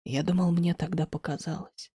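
Woman doing a young man, low, hushed, coaxing, mellow, dry close sound. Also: moderate pace, breathy edge, no room sound. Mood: gentle. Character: tender, insistent young man.

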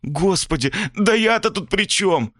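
A man's voice: animated, a little slow, sharp tone, heavily acted. A man voicing a timid, tearful mother who meekly pleads for her son. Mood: pleading. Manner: weak, pleading, raised pitch.

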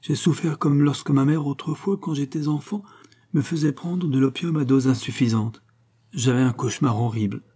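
A passionate young gypsy woman, jealous and quick to flare, her voice lifted high, as a male reader puts her on. The tone stays dark and mellow, with a husky edge under it. Heard as a storybook character in an audiobook. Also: close to an everyday voice. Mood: weary, unsettled.

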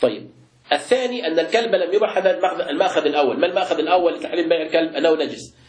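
شيخ سريع الكلام بلهجة مصرية في قاعة درس. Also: male voice, fairly high pitch, rapid-fire, echoey room. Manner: explains by asking the class and answering himself. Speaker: sheikh teaching a book class. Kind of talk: classroom lecture with questions.

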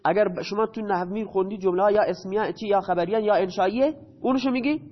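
A man teaching a grammar lesson. He asks his own questions and answers them, and he repeats key terms slowly. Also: high voice. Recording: dull lo-fi recording.

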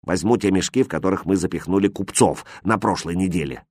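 A man's voice: sits low, a little fast, darkish tone, slightly rough, no room sound, clean studio sound. A man voicing a sly, murderous young man who whispers conspiratorially. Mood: scheming. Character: young male innkeeper's son, sly and murderous.

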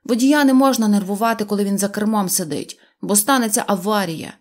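A woman's voice: mid-range voice, natural voice. A woman voicing a hot-headed little boy who loses his temper easily, in a storybook reading. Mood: indignant. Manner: quick-tempered, blustering.

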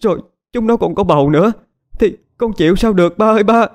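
A man's voice: fast talker, darkish tone. A man voicing a furious, hysterical wealthy wife who screams and wails in a storybook reading. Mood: hysterical fury. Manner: shrill, screaming and wailing.

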